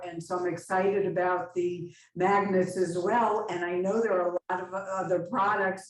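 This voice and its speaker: Noticeable background noise and an audible room echo behind a woman talking. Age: 70s. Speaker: interview guest. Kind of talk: interview.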